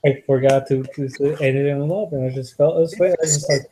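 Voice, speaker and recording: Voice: medium pitch, fairly even intonation, fast talker, noisy background. A player at a tabletop game who talks casually and hesitantly, with lots of stop-start phrases.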